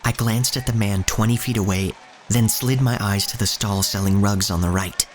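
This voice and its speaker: A man playing a solemn narrator who tells of a poor street childhood in measured, scripted audio drama storytelling. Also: lowish voice, fairly even intonation, slight background noise, lightly acted. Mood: somber, measured. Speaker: first-person narrator. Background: music.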